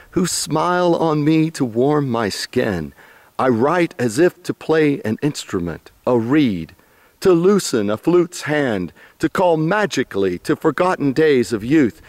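A man reciting his own poem dramatically and fervently, halting phrase by phrase. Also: mid-range voice, no room sound.

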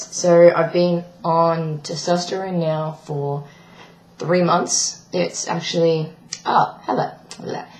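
A young trans man with a croaky, breaking voice, giving a rambling video diary update with many ums. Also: a little high, reverberant, rough recording. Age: young adult. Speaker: vlogger. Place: small bedroom indoors. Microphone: webcam at desk.

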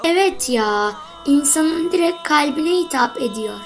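Cartoon schoolboy: tiny, very high childlike voice, quick-witted, cheeky, confident know-it-all. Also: female voice, expressive, soft background music. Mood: earnest, explaining. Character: witty, cheeky schoolboy, pious know-it-all with a ready answer. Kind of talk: scripted comic cartoon dialogue.

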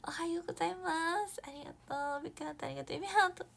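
A young woman with a very high voice and vocal fry chats casually on a morning live stream, racing through her words. She reads viewer comments and thanks people in a bubbly way, now and then dropping to a soft whisper.

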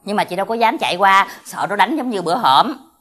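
A woman's voice: mid-range voice, expressive, a little fast, fairly bright tone, lightly acted. An actress playing a worried middle-aged neighbor woman with a Southern Vietnamese accent, consoling a friend. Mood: concerned. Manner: lamenting, sympathetic. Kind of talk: TV crime reenactment drama.

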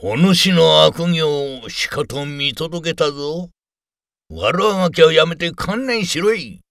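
A man's voice: on the high side, animated, slow pace, a bit bright, no echo, clean studio sound, pitched above the performer's own voice, exaggerated voice. A man playing a stern old-time samurai lawman in a period drama, declaiming commands at a villain. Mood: stern, commanding.

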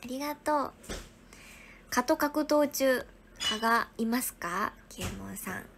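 High-voiced young woman, soft and whispery. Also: expressive, measured pace, vocal fry, noisy background. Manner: soft, often whispery, thanking viewers one by one. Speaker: livestream host. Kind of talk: casual livestream chat reading viewer gifts.

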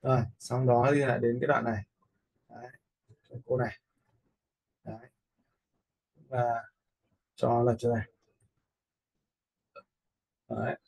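A man with a gravelly, husky voice, casually commenting as he teaches video editing. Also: medium pitch, flat delivery, a little slow, pauses often, darkish tone, low-quality recording. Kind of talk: casual screen-recorded tutorial commentary.

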